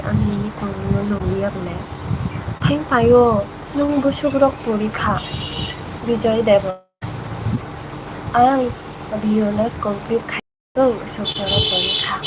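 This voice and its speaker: Chatty young woman on a noisy live stream. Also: high-pitched. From Bangladesh. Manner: chatty, answers viewer comments and laughs often. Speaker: vlogger. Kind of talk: casual live-stream chat.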